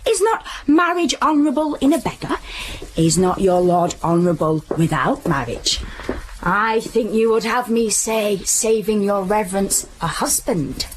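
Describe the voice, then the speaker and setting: A woman's voice: medium pitch, animated, slight background noise, natural voice, low-quality recording. A woman playing a teasing witty maid. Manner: teasing, bawdy and quick-witted. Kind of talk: Shakespeare audio play.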